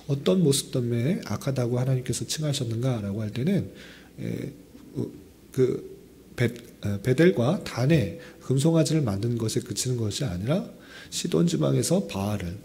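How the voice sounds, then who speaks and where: Hoarse male pastor, gravelly and mellow. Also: mid-range voice, slight background noise. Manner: formal, measured, polite. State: hoarse from a throat cold. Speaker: pastor leading a dawn prayer service. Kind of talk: scripture reading and expository sermon.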